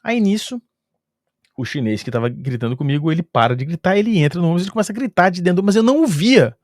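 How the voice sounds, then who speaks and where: A man with a Brazilian Portuguese accent telling a travel story in a casual, lively way, chuckling often and using sound-effect filler words. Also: sits high, quick pace, no echo, studio quality.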